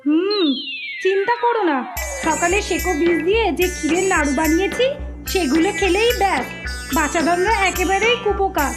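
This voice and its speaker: Very shrill-pitched scolding cartoon mother voiced by a woman. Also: lively intonation, moderate pace. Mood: explaining. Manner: scolding, exaggerated. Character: scolding, sharp-tongued village mother of a glutton. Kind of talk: children's cartoon voice acting. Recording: loud music behind the voice.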